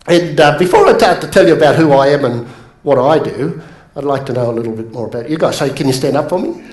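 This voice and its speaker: An energetic Australian man on stage at a business seminar, joking with the crowd. His slightly high voice rings around a large echoey room. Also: quick pace. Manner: energetic, jokey, addresses the crowd. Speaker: motivational speaker. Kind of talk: motivational seminar talk.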